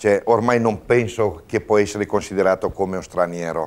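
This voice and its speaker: Here a man speaks with a Romanian accent. His pitch moves with ordinary variation. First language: Romanian (speaking Italian). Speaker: community association president; guest. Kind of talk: TV interview. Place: studio. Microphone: lapel.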